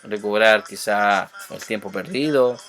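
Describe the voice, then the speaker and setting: A man's voice: fairly low pitch, measured pace, a bit bright. A man teaching a Bible lesson, reading scripture and explaining it earnestly, often checking in with listeners by asking "mm?". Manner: earnest, asks listeners rhetorical questions with repeated "mm?"; calls out quoted cries with raised voice when reading.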